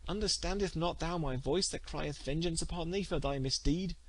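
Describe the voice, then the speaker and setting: A man's voice: on the high side, normal speed, dry recording, voice pushed up. A man voicing an anguished, vengeful young woman, wailing melodramatically in an archaic storybook tale. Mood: furious grief. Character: anguished, vengeful young wronged woman lamenting her betrayal. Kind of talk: dramatic archaic storybook reading.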